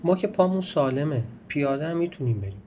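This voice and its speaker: A man voicing a kind-hearted peasant wife who pities everything she sees, speaking in a higher, coaxing voice in a dull, slightly noisy recording. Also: very animated. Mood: pitying. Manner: pitying, coaxing, gentle.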